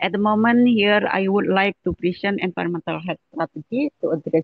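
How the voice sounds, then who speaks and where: With an Indonesian accent, a woman speaks in a medium pitch at a moderate pace, her pitch varying in an ordinary way. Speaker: government health specialist. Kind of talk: presentation. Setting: remote online call. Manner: hesitant, many fillers.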